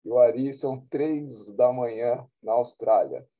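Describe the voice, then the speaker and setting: A man hosting a webinar interview, wrapping up with relaxed, friendly closing remarks over a video call. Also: mid-range voice, a little slow, lo-fi sound. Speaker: host.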